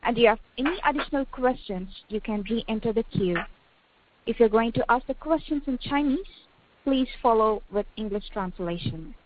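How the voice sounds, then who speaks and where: A woman's voice: a little high, expressive, moderate pace, a little hiss or hum. A woman working as a conference call operator, reading scripted instructions in a formal, procedural way. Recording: narrow tinny phone line.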